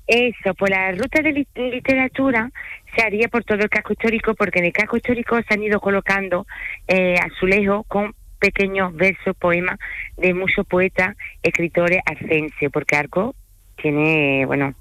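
A woman's voice: medium pitch, fairly even intonation, moderate pace, a bit bright, no room sound, rough recording. A middle-aged woman, a native French speaker, talking casually as a guest on a radio interview about her guided tours, often tagging sentences with "vale?". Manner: chatty, frequent "¿vale?" tags and fillers. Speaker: tour guide and company manager.

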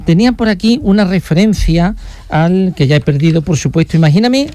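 Guy rambling and joking on the radio, warm mellow tone, bit high. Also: animated, a little fast, no room sound. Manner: jokey, self-mocking, rambling. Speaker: radio correspondent. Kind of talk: casual radio chat.

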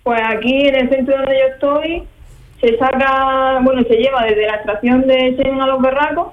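A caller in her twenties takes part in a phone interview from work over speakerphone, answering plainly and matter-of-factly. She speaks at a normal pace in a high, steady voice, heard through a distant, muffled phone line.

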